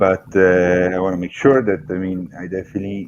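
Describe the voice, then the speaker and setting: A man with a non-native accent speaks at a moderate pace with a very deep, low pitch. The sound is dry and close, with no echo. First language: not English. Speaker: team member. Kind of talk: work meeting.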